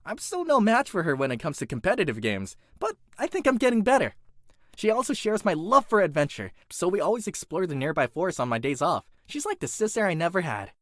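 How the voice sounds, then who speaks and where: A voice actor takes on an earnest, workaholic young blacksmith from an animated series for a character reel monologue, with a cheerful, fond mood and a swooping, highly animated delivery. Medium in pitch and a bit fast, the voice sounds conversational and dutiful yet adventurous, captured close with no echo.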